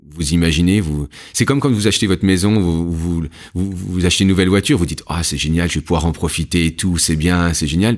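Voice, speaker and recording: A man with a very deep, low pitch talks at a moderate pace, captured in a very clean recording against a silent background. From France, Besançon (Franche-Comté). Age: 40s. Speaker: university researcher and startup CEO. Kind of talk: interview, casual chat. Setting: in person at company premises. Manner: hesitant, many fillers.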